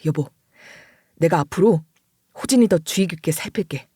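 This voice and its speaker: Woman voicing a calm, reassuring middle-aged husband. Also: lowish voice, normal speed, breathy edge, no room sound, clean studio sound, pitched below the performer's own voice. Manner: soothing, reassuring tone. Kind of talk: audio story narration.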